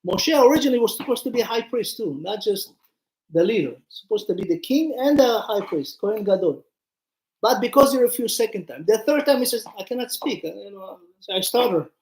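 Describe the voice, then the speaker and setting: A man's voice: high voice, animated, fairly quick, a little mellow, reverberant, rough recording. A man, a rabbi, giving an informal Torah lesson, retelling stories with acted-out dialogue and putting questions to his listeners. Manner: conversational, acts out dialogue, puts questions to listeners.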